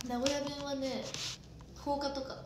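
A woman's voice: high-pitched, level tone, a little slow. A woman, chatting casually on an idol livestream and reading out viewer comments. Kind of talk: casual chat. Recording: echoey room with noticeable noise.

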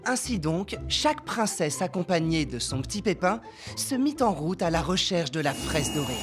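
Animated fairy-tale storyteller. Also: male voice, on the high side, normal speed, over music. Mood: storytelling. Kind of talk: scripted fairy-tale narration.

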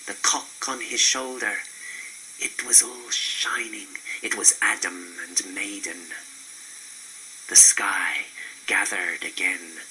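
Guy reciting a poem super slow and declamatory, really forceful bright voice, bit of hiss. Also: on the low side, poor audio. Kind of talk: poetry recitation. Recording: faint hiss and background noise.

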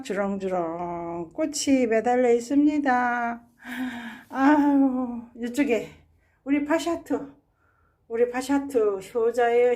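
A woman's voice: sits high, mellow. A woman hosting a gardening vlog, chatting fondly about her plants with frequent sighing exclamations as she walks through her balcony garden. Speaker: gardening channel host. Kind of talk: casual walkthrough vlog.

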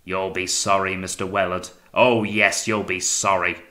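Tyrannical ship's captain: imperious, paranoid, menacing bark, forceful edge, audiobook drama. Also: male voice, deep voice, little pitch movement, unhurried. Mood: menacing, accusing. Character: raging, bellowing, paranoid tyrannical sea captain.

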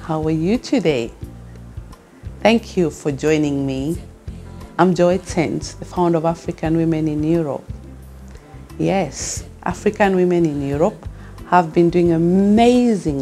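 A woman's voice: fairly low pitch, unhurried, warm tone, faint music behind. A middle-aged Kenyan woman with a Kenyan accent, speaking earnestly to camera as a network founder and asking rousing questions. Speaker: founder and CEO of a women's network. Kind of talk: direct-to-camera address. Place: furnished studio lounge with a fireplace, indoors.

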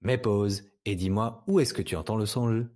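A man with a French accent teaching young children to read, saying each sound slowly and patiently. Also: fairly low pitch, darkish tone. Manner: patient, speaks words slowly and distinctly. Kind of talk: slow, clear reading lesson for young children.

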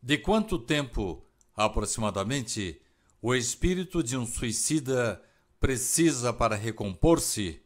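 A man with a Brazilian Portuguese accent, an interviewer reading prepared questions in a formal, deliberate way. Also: medium pitch, lively intonation.

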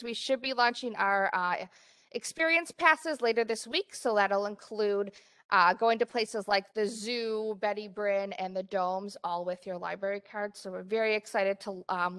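Smooth-voiced woman presenting to a board. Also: medium pitch, fairly bright tone. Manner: upbeat, with frequent fillers. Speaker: library director. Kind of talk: presenting a report. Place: meeting room. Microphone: desk mic in front.

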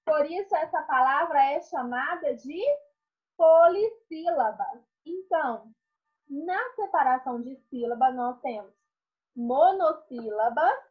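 A primary school teacher reviewing a lesson for her pupils in an online class, slowly asking questions and then answering them herself. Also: high-pitched, expressive, muffled recording.

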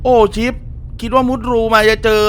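A man hosting a casual let's-play, talking to himself as he plays, with sudden loud exclamations. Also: extremely high pitch, little pitch movement, normal speed, slight background noise. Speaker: gaming channel host.

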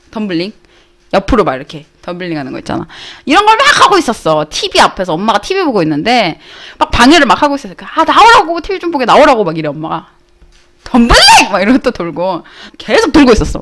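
A woman's voice: medium pitch, fairly bright tone. A young adult woman, a live streamer, telling a story to her chat audience in blunt, slangy banter.

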